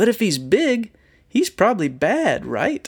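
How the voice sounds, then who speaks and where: Using a put-on character voice, a man talks at a fairly slow pace in a high pitch with a nervous tone. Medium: read story. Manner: nervous, earnest.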